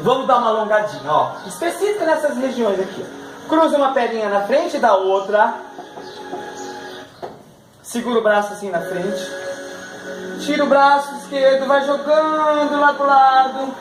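A man's voice: extremely high pitch, moderate pace, pauses often. A middle-aged man with a Brazilian accent leads an exercise class for older pupils, counting and cheering them on between laughs. He is picked up by a camera across an echoey living room. Music plays steadily behind him. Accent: Brazilian Portuguese. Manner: upbeat counting and cueing, frequent laughs. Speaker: fitness instructor.

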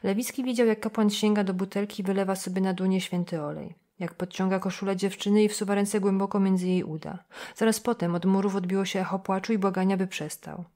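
Kobieta, lektorka audiobooka, czytająca powieść w spokojnym, wyważonym tempie. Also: female voice, medium pitch. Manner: measured, even reading. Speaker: audiobook narrator. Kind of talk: scripted novel narration.

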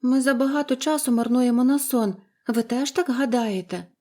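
A woman voicing a cheerful, chatty young orphan girl who talks eagerly and gushes in a storybook reading. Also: moderate pace. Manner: eager, gushing, high and bright.

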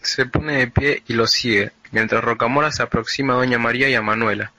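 Narrator: young Argentine man, bright forceful tone, medium pitch, scripted reading. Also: steady tone, a little fast, dry recording, poor audio. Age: teens or young adult. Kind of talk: scripted stage-direction reading.

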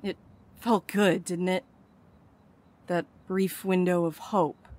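A woman's voice: lowish voice, little pitch movement, slow, darkish tone. A woman playing a blunt, fatalistic comrade in an audio drama. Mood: resigned, firm. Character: blunt, fatalistic comrade resigned to a grim destiny.

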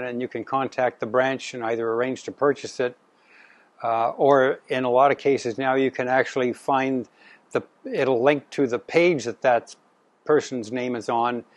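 A man from Canada adds to a genealogy talk in a relaxed, conversational way and describes his own searches through old records. His voice sits at a middle pitch and sounds dry and close. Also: dry recording. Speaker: genealogy co-presenter. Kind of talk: informal presentation to a local society.

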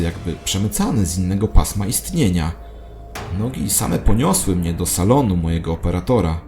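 A man's voice: on the low side, darkish tone. A man playing a paranoid, self-important conspiracy believer, telling his saga in a dramatic, confiding way as satirical audio drama narration. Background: music.

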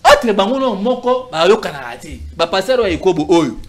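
A high-voiced man in his thirties makes his case in a studio debate, his pitch swinging widely as he gestures and stammers through restarts. He talks into a lapel mic. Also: big pitch swings, moderate pace. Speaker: political commentator. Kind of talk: heated talk-show debate.

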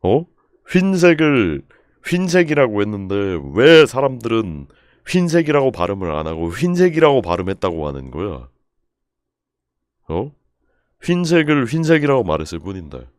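A young man live-streaming, ranting in exasperation and going over the same point again and again with sudden shouts. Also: lowish voice, very animated, normal speed, no room sound, studio quality. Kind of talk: casual live-stream rant.

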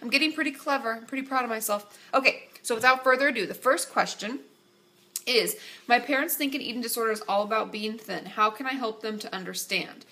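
A young woman with a stuffed-up, nasal voice, bright and a little high, talking close to her webcam in a small room. She answers viewer questions in a chatty, direct way, steady and reassuring as she gives advice. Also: brisk. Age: young adult. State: stuffy nose from a cold. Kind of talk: casual vlog Q&A. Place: small dim room indoors. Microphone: webcam at close range.

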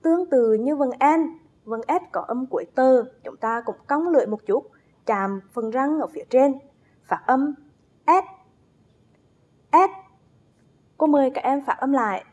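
A woman teacher giving a first-grade phonics lesson, speaking with slow, careful enunciation and drawn-out spelling drills as she calls young pupils to read along. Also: high voice, mellow, slightly rough. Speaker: primary school teacher.

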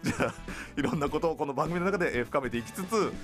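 A young man with a high, lively voice runs a radio talk show, talking fast and full of energy into a studio boom mic. His delivery bounces all over the place. Music plays clearly underneath. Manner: bright, energetic, chatty. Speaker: radio host. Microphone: studio mic on boom arm.

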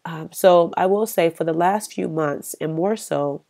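Stuffy woman podcaster, low voice, chatty and encouraging, lots of ums. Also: measured pace, vocal fry, dark tone. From United States. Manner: encouraging, conversational, frequent ums. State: stuffy from a cold. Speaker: podcast host. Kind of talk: solo podcast talk.

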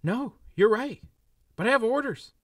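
An actor playing a tense, weary young hitman in an amateur radio drama, moving between hushed talk and shouting. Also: extremely high pitch, expressive, normal speed, no room sound, studio quality. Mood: grim.

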